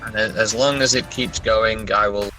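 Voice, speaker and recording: Bright-voiced man chatting as interview guest. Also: lowish voice, steady tone, normal speed, faint music behind, rough recording. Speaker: guest author. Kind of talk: casual interview chat.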